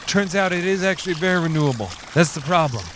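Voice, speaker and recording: Frantic doomsaying survivor, a bit high-pitched, light background noise. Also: male voice, lively intonation, fast, fairly bright tone. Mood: exasperated. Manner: exasperated, incredulous. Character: panicked doomsaying male survivor.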